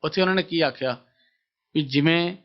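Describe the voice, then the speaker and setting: A man giving a religious discourse, explaining scripture and slowly chanting its verses. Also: on the high side. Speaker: Sikh preacher. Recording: dull lo-fi broadcast sound.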